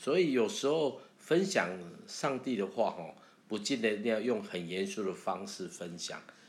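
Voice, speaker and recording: With a Taiwanese accent, a man at medium pitch swings his pitch very widely over audible room echo. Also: moderate pace. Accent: Taiwanese Mandarin. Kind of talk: casual chat.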